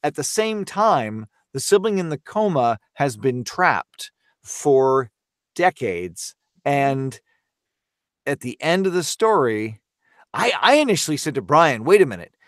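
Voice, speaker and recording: A man with a smooth, resonant voice at an average pitch chats on a podcast. He is expressive, sometimes halting and doubling back on words, and he sounds close and dry. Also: no room sound. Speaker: voice actor, podcast guest. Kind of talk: casual podcast discussion.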